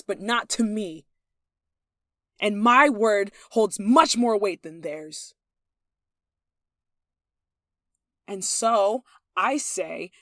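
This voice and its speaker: A woman's voice: fairly high pitch, no echo, clean studio sound. A woman playing a possessive, haughty young noble in a yandere ASMR roleplay, speaking in an imperious, jealous way with sighs. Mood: indignant, jealous. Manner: imperious, indignant, sighing, clipped commands.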